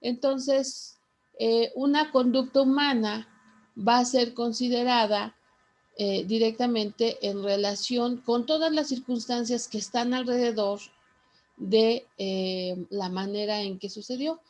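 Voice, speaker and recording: A woman teacher dictating a lesson to students, repeating phrases in a slow, deliberate way. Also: a little high, fairly even intonation, a little mellow.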